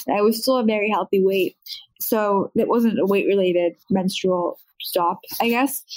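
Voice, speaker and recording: A woman with a plain, everyday voice talks at a medium pitch with an American accent. The sound is dry and close, with no echo. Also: ordinary pitch variation, moderate pace. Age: 20s. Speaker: chronic illness patient and wellness blogger. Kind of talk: interview, personal story.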